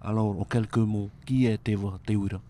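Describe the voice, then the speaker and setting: A man's voice: fairly low pitch, steady tone, a little fast, mellow, slight background noise. A man hosting a radio interview, speaking hesitantly with many "euh" between phrases. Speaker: radio host. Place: radio studio.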